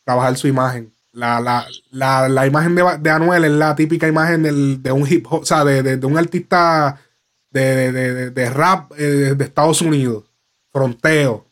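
A man with a Puerto Rican accent talking casually and with animation, full of slang. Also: normal speed. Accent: Puerto Rican Spanish. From Puerto Rico. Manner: animated, slangy, acts out quotes in high voices. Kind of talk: casual chat.

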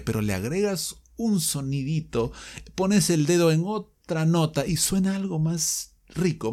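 Male English teacher, fairly high voice, animated, slow clear examples. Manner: lively and explanatory, repeating example phrases slowly. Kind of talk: online language lesson.

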